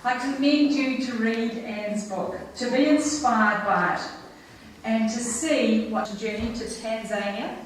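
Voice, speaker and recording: A woman's voice: a little high, fairly even intonation, slow. A woman with an Australian accent giving an informal tribute speech as host of an event. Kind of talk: warm informal public speech. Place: roomy indoor gathering, mic at a distance. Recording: echoey room, distant mic, noisy.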